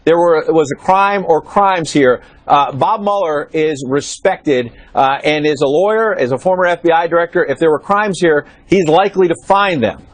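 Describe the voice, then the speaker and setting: A man reporting from the White House on a cable news panel, explaining in a measured way with frequent fillers. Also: fairly high pitch, no echo. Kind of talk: live news panel analysis. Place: studio or remote link from Washington.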